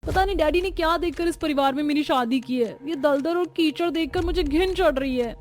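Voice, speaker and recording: A woman voicing a haughty, spoiled rich young bride who talks in a shrill, whiny way and mixes in English words. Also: brisk, a little mellow, natural voice.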